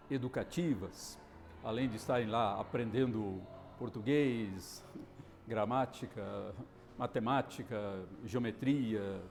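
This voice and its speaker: A man explaining history in a measured, lecturing way during an interview. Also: mid-range voice, darkish tone. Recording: reverberant hall with faint music.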